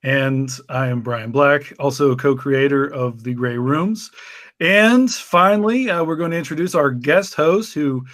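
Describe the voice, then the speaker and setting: A man's voice: a little high, measured pace, fairly bright tone, no room sound, clean studio sound. A man hosting a podcast and introducing his guests with chatty jokes. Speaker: podcast host.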